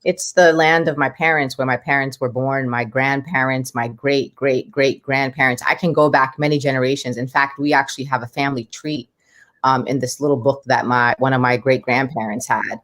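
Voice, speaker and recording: New lady talking passionate and emphatic in an interview, pretty low voice. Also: steady tone, moderate pace, a bit bright. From United States. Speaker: guest. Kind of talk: podcast interview.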